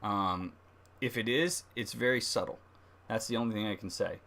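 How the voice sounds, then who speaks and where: A man hosting a casual livestream tasting review, speaking haltingly as he thinks aloud. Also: fairly low pitch, very noisy. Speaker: host of a beer review livestream. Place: livestream, speaking beside a laptop.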